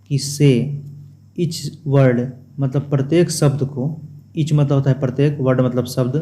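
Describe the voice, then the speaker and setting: A man explaining a schoolbook lesson, repeating each word and its meaning slowly and patiently. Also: medium pitch, mellow. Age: young adult. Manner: slow, repetitive word-by-word explanation. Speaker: teacher.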